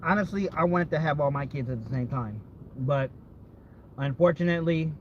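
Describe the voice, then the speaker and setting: A man's voice: fairly high pitch, normal speed. An American man chatting casually and candidly, rambling with frequent swearing and repeating himself as he goes. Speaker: vlogger. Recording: dull lo-fi audio with background vehicle noise.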